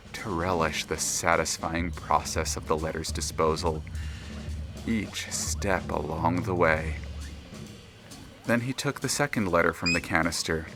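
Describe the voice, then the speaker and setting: Dry, lowish-voiced narrator over music. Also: male voice, creaky. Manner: deliberate, dry, literary phrasing. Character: measured, dry omniscient male storyteller. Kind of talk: scripted audio drama narration.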